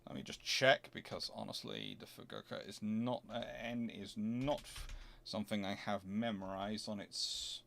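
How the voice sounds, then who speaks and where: A man's voice: on the low side, lively intonation, normal speed, creaky, a bit bright, a little hiss or hum. A man hosting an off-the-cuff explanatory talk, emphatic and digressive, often correcting himself as he goes. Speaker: host answering audience questions.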